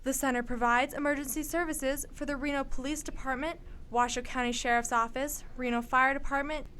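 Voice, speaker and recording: A woman with a fairly high voice narrates a news feature as its reporter. Her delivery is scripted, and there is clear ambient noise behind her. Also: steady tone, fairly quick, bright, forceful tone.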